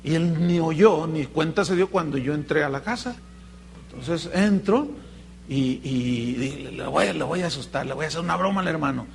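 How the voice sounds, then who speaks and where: A pastor preaching a sermon, telling anecdotes in a lively way and imitating the people in his stories. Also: a little high, normal speed, creaky, slight background noise. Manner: animated storytelling, mimics voices in quotes.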